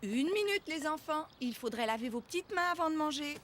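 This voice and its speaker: High, lilting cartoon mother. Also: a little fast, a little hiss or hum. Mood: patient. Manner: gentle, expressive, simple address to children. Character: gentle, patient young mother of small children. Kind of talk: children's cartoon dialogue.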